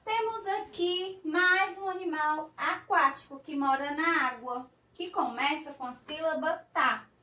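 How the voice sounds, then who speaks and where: Slow, bright-voiced Brazilian woman teacher. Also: high-pitched, roomy sound, far from the mic. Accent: Brazilian Portuguese. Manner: slow, coaxing, sing-song teacher talk. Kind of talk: recorded remote class for young children.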